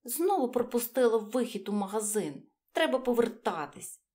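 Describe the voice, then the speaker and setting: Woman voicing brisk little storybook mouse. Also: a little high, very animated, mellow, distant mic, voice pushed up. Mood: annoyed. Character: small helpful young mouse guide.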